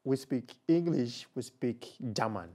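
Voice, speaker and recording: Male talk show host, dark mellow tone, mid pitch, affirming conversational interviewer who echoes his guest. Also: expressive, unhurried.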